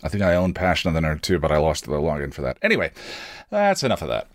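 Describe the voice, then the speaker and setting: A man's voice: a bass voice, wildly swooping pitch, fast, no echo. A man hosting a podcast, giving casual, rambling announcements with dry, self-deprecating humour. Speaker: podcast host and streamer.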